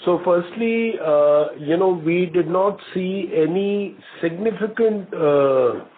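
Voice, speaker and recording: An Indian man, a company executive, answering questions on an earnings call in a measured, formal, hesitant way with frequent pauses. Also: high voice. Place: conference call. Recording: muffled narrow phone line with some noise.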